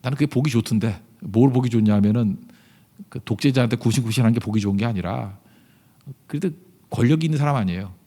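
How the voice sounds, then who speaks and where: A man's voice: mid-range voice, fast. Conversational man preaching a sermon. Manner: conversational preaching, frequent rhetorical questions; swings between loud emphatic lines and quiet asides. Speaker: pastor. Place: church service.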